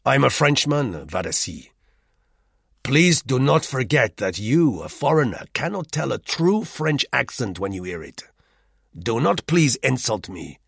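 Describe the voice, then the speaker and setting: A man doing a slow, silky, sinister foreigner. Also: mid-range voice, very animated, vocal fry, a bit bright, breathy edge, dry recording, studio quality, voice pushed up, full character voice. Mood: cold. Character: sly menacing foreign man feigning politeness.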